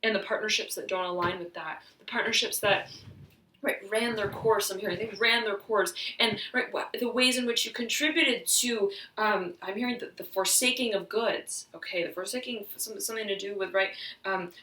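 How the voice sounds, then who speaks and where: Female tarot reader, searching delivery with constant fillers; crisp, lifted tone; reverberant room. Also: medium pitch, pushed and bright, far from the mic. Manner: halting, searching, fills with "right" and "I'm hearing". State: slightly hoarse. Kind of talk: intuitive tarot reading to camera. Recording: roomy echo, voice off-mic.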